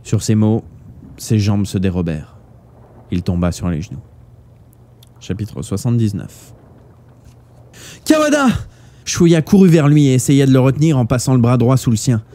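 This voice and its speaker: A man reading a novel aloud live, with expressive narration. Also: mid-range voice, moderate pace. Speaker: audiobook reader.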